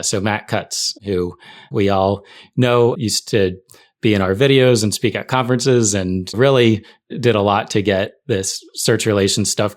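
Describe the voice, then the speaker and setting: A middle-aged man speaking as a podcast guest, recollecting work stories in a casual conversational way. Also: fairly low pitch. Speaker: podcast guest, tech writer.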